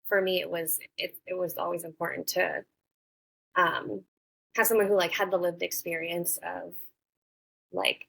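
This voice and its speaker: A young adult woman talking thoughtfully as a podcast guest, pausing often with fillers and restarts. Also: on the low side, vocal fry, a bit bright. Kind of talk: casual interview conversation.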